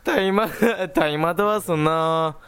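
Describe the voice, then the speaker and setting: A man from Hirosaki with a Tsugaru dialect accent, a guest chatting casually on the radio in a lodge room, halting and full of restarts. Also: fairly high pitch, a bit bright, smooth. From Hirosaki, Aomori, Japan.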